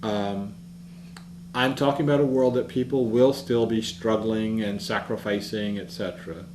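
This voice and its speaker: A man's voice: fairly low pitch, fairly even intonation, normal speed, a little mellow. A man giving an earnest, reflective public talk in an easygoing storytelling manner. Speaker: speaker. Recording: roomy echo with faint hum.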